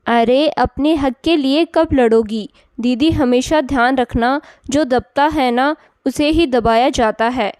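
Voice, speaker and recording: A woman's voice: high voice, slow pace, hardly any pauses, a little mellow, smooth, dry recording. A woman voicing a spirited young unmarried cousin who coaxes and urges her older cousin. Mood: urging. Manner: coaxing, persuasive.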